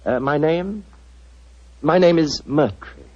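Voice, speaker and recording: Cunning master criminal, husky low voice, mocking courtesy, lively pitch, dull 1940s radio sound. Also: male voice, takes it slowly, no room sound. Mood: smug. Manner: silky, mocking politeness. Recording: dull old radio recording.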